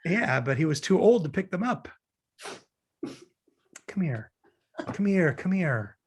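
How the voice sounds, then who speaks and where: A woman's voice: lowish voice, big pitch swings, slow, a little mellow, a little hiss or hum. A woman reading the part of a hesitant, reassuring man in his thirties in a romantic comedy script. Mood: gently consoling. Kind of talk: virtual table read of a film script.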